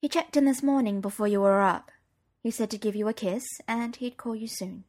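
Calm mother figure, voiced by the narrator woman, reassuring. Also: fairly high pitch, a little fast, natural voice. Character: calm mother of a teenage girl.

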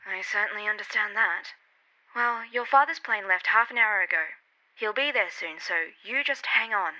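A woman's voice: mid-range voice, moderate pace. A woman voicing a soothing anxious mum. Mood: concerned. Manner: gentle and reassuring. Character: soothing, anxious middle-aged mother. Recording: dull lo-fi recording.

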